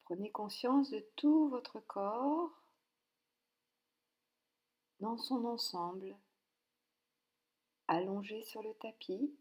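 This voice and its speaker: Woman, slightly high voice, very slow delivery, calm, soft guided meditation, long pauses, relaxation instructor. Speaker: yoga nidra relaxation instructor.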